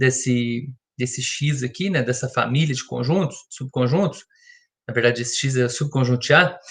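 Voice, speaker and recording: Pitched fairly high, the man talks in an ordinary speaking voice. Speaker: math teacher. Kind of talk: lecture.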